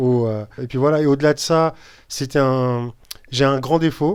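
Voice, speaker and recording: Speaking very slowly, a man keeps a medium pitch and fairly even intonation. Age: 40s. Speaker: jiu-jitsu coach and YouTuber. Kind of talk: podcast interview. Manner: hesitant, many fillers.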